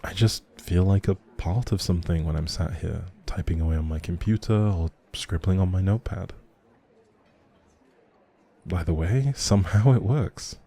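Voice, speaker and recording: Man playing a low, creaky, shy young writer. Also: normal speed, warm tone, heavily acted. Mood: rambling, musing. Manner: rambling, hesitant, apologetic, chatty. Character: shy, socially anxious, friendly young male writer, café regular. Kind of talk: intimate audio roleplay addressed to the listener.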